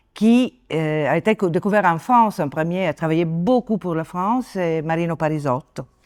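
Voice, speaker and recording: A woman's fairly low voice with an Italian accent, lively intonation, a moderate pace and hardly any pauses, in a dry, close sound with no echo. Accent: Italian, sing-song. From Italy. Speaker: exhibition co-curator. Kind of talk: interview answer.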